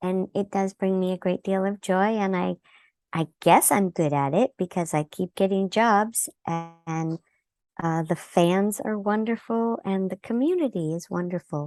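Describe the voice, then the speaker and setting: Over music in the background, a woman with an American accent talks at a medium pitch and fairly slow pace, the sound dry and close with no echo. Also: ordinary pitch variation. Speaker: voice actor. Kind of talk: interview answer. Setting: home or hotel room, remote interview.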